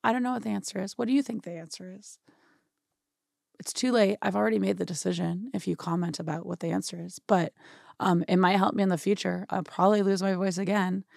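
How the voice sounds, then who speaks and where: A young woman with a hoarse, worn-out voice, chatting through a software tutorial in a home studio and often checking in with "right?". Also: medium pitch, fairly even intonation, a little fast, dry recording. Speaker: music production tutorial host. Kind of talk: casual screen-share software tutorial.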